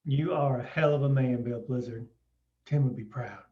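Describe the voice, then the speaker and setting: A man's voice: mid-range voice, moderate pace, natural voice. Male coal miner, loyal friend, acted at a table read: plain, supportive, muffled and echoey sound. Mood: admiring. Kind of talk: dramatic script table read. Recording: echoey, dull, far from mic.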